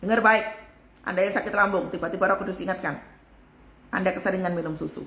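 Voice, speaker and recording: A woman pastor giving a live devotional sermon with a forceful, emphatic delivery. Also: medium pitch, fairly even intonation, quick pace, echoey room.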